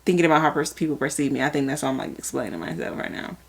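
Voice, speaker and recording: This is a young woman co-hosting a casual podcast. Her voice sits a little low. She talks in loose slang, swears without a second thought and laughs often as she goes. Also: lively intonation, racing, vocal fry, husky. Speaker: podcast co-host. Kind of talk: casual chat.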